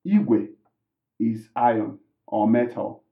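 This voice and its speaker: A man whose first language is Igbo, patiently explaining words and tones in a casual language lesson, often pausing with um and uh. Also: fairly low pitch, expressive, creaky, echoey room, phone-quality sound. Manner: explains patiently with many ums and restarts.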